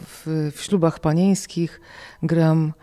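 A woman in her forties speaking thoughtfully and haltingly in an interview as an actress. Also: sits low, fairly even intonation, mellow. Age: 40s. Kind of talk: reflective interview talk. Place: indoor corridor. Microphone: handheld reporter microphone.

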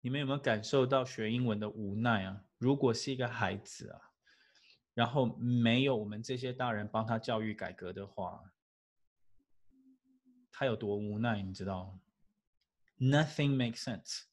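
A man, an English teacher giving a lively classroom lecture full of rhetorical questions and chuckles. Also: medium pitch, moderate pace, pauses often.

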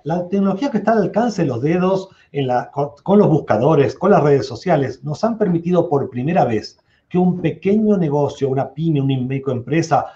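Warm-voiced man explaining marketing. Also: on the high side. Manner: explanatory, conversational, lively. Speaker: marketing expert, panel guest. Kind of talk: expert commentary on a webinar panel. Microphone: video call, laptop mic. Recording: muffled video call audio.

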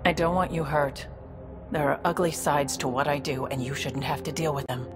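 A woman's voice: low voice, fairly even intonation, moderate pace, music in the background, close to an everyday voice. A woman voicing a protective, weary alien mercenary sister in a video game, dry, guarded and exasperated. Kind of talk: dramatic video game acting.

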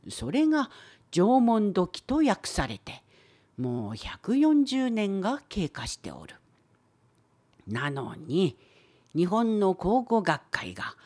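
Woman acting creaky wise old professor, husky, low-pitched, swooping intonation, wry cartoon lecturer. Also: darkish tone, full character voice. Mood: musing, lecturing. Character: wise old professor of archaeology, opinionated and patient. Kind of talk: scripted educational cartoon dialogue.

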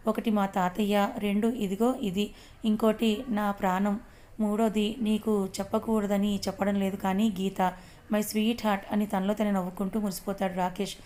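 A woman's voice: medium pitch, level tone, normal speed, warm tone, close to an everyday voice. A woman voicing a possessive, boastful young man who threatens his rival. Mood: menacing. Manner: boastful, menacing.

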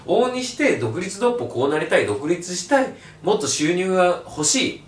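A man giving a blunt, animated video lecture as an online resale instructor. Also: high voice, normal speed, distant mic, slight background noise. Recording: roomy echo, mic set back.

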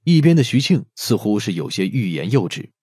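A man's voice: lowish voice, big pitch swings, brisk, darkish tone, slightly rough, no room sound, studio quality. A man narrating a dramatic audiobook story in a scripted style. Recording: faint music under the voice.

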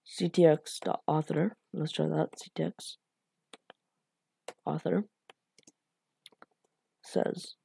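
A woman with a slightly raspy late-night voice hosts a casual coding tutorial, rambling and apologizing with lots of fillers. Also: low-pitched, steady tone, slow pace, pauses often, mellow, no room sound. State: a bit raspy from being up late.

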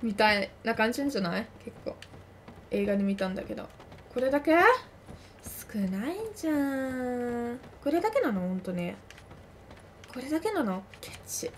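High-pitched excitable woman gamer, animated. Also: normal speed, long pauses. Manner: shrieking outbursts, playful, talking to herself. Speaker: gamer commentating a let's play. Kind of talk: excitable gameplay commentary. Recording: noisy game audio under voice.

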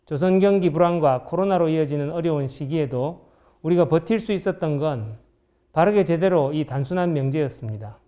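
A man's voice: a little high, a little fast, warm tone. A man speaking as a company chief executive in a formal, prepared interview statement.

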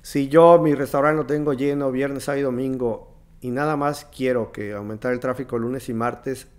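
Northern Mexican host posing hypotheticals. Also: male voice, mid-range voice, steady tone, moderate pace. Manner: asks long hypothetical questions, short backchannels. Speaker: podcast host. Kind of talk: business interview. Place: office meeting room. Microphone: studio mic on desk stand.

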